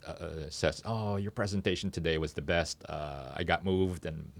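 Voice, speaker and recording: A man speaking as an interview guest and startup founder, explaining his business in a conversational, halting and measured way in a studio. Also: low voice, fairly even intonation, creaky, dry recording.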